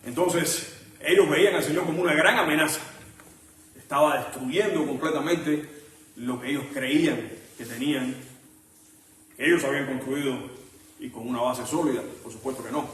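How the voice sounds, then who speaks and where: A man preaching a sermon with a Puerto Rican accent, measured, pausing often and restarting phrases. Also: on the high side. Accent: Puerto Rican Spanish. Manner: measured, with frequent pauses and restarts. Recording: echoey hall, mic at a distance.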